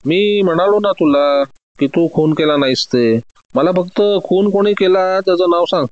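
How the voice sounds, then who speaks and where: A man reading a story, voicing a shrewd male detective who speaks in a measured, soothing way to win trust. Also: high-pitched, no echo, dull audio, voice pushed up, lightly acted. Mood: coaxing.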